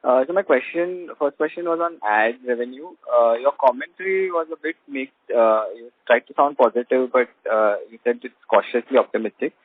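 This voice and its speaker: A man's voice: mid-range voice, fairly quick, hardly any pauses. A man with an Indian accent, an analyst calling in to ask questions on an earnings call. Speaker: analyst caller. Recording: dry tinny phone line.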